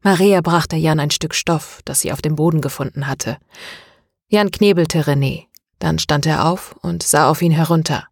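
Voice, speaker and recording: A woman narrating a novel as an audiobook, in a steady, even reading voice. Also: deep voice, normal speed, gravelly, no echo, studio quality. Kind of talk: scripted narration.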